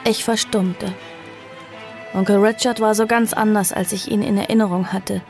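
A woman's voice: mid-range voice, steady tone, normal speed, darkish tone, faint music behind, lightly acted. A woman playing an earnest fifteen-year-old niece who also narrates her story in an audio drama. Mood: earnest narration. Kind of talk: audio drama acting and first-person narration.

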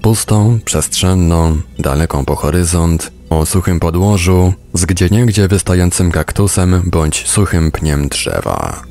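Deep, creaky-voiced male narrator. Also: a little mellow. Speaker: audiobook reader. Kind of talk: scripted narration of a book.

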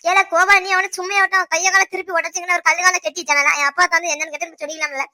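A shrill scolding village mother-in-law. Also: steady tone. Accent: Tirunelveli Tamil. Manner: sharp, scolding, rapid-fire. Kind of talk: cartoon voice acting.

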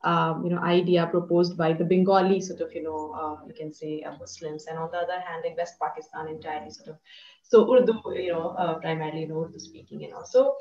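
A woman's voice: deep voice, fairly even intonation, quick pace, darkish tone. A young woman, lecturing thoughtfully on a video call with many fillers. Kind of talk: academic discussion on a video call. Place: room indoors. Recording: echoey, distant, muffled video call audio.

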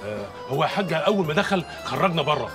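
A sly Egyptian manservant in a TV drama, quick to wheedle and tell tales. His voice sits fairly high and he rattles along quickly, with music under the scene. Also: sing-song. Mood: wheedling. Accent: Egyptian Arabic. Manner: rapid, wheedling. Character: sly male servant.

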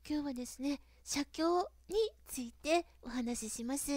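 High-pitched lady w kyoto accent, chatty writing lesson, dry close mic. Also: unhurried, darkish tone, no room sound. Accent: Kyoto Japanese. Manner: chatty, frequent dialect sentence endings. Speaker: novelist teaching writing. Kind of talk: casual lecture to camera.

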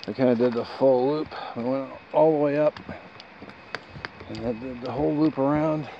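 A man with a creaky voice chatting casually and off the cuff as he vlogs outdoors on a trail, with dry asides. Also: mid-range voice, normal speed. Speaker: hiking vlogger. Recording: dull lo-fi outdoor sound, steady noise.

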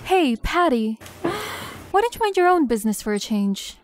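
A woman playing a kind, earnest high school girl who stands firm, in dubbed musical film dialogue, with a gentle manner. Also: sing-song, moderate pace, very noisy.

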